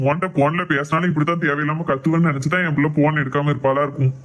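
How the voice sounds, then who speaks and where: A woman's voice: deep voice, voice pushed down, natural voice. Woman putting on a laid-back cartoon dad. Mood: dismissive. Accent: Kanyakumari Tamil. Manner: dismissive, calm, quick. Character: laid-back fifty-year-old father, calm and indulgent.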